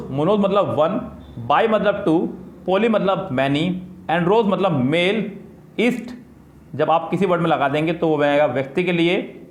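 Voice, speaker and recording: A man teaching a vocabulary lesson in Hindi. He reads English passages slowly and says each word twice. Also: sits high, a little hiss or hum. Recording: echoey room.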